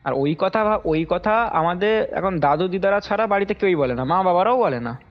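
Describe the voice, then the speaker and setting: A man's voice: high-pitched, moderate pace. A young man tells his own experience casually on a call, rambling and repeating himself as he goes. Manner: animated, repetitive, rambling retelling with acted-out quotes. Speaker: caller recounting a personal experience. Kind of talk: casual spoken storytelling. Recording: dull lo-fi call recording over music.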